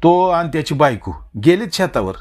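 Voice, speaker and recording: A man's voice: on the high side, sing-song, normal speed, darkish tone, voice pushed up. A male narrator voicing a worried, protective old village mother who talks in rustic speech. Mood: tender.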